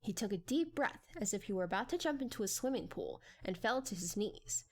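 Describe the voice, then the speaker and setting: A woman reading a story aloud as a dramatic, expressive, animated narrator. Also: mid-range voice, a little fast. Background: background music.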